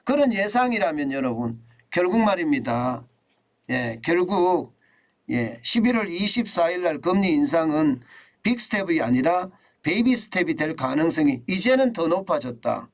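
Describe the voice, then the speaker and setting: Animated, high-pitched male commentator. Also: moderate pace. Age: middle-aged. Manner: emphatic, repeats key figures, frequent "예" fillers. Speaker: economics commentator. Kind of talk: solo economic commentary.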